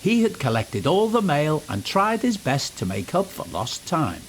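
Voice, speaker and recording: A man's voice: a little high, wildly swooping pitch, measured pace, a little hiss or hum. A man narrating a scripted children's story as storyteller.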